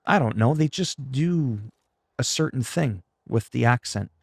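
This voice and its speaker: A man's voice: mid-range voice, animated, unhurried, creaky, slightly rough, no echo, clean studio sound. A man from Canada whose first language is French, chatting casually on a livestream in a self-deprecating, salty, freely swearing way. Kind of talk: casual rambling livestream chat.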